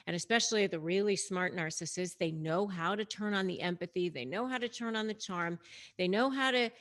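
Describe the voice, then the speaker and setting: A woman's voice: on the low side, fairly quick, fairly bright tone. A woman host giving casual, explanatory commentary, speaking conversationally and emphatically straight to her audience. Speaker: host and coach giving advice on narcissists. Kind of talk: casual explanatory commentary to camera, retelling a story.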